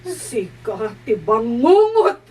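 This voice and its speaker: A woman acting in a homemade melodrama, crying and shouting her lines, sometimes laughing through them. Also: on the high side, sing-song, slow, recorded from a distance, slight background noise.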